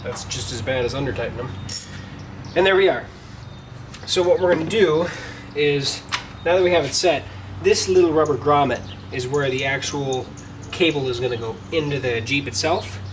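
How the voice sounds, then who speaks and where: A man's voice: a little high, moderate pace. A man hosting a casual how-to car tutorial, thinking aloud in a folksy way as he works. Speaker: DIY car tutorial host. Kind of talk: casual how-to narration while working. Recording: distant mic, clearly noisy, vehicle ambience.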